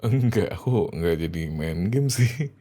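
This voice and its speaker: In this ASMR roleplay, the man's voice is low and a little slow while he portrays an excitable, loving husband talking to his wife. Expressive and hesitant, he feels his way through the lines.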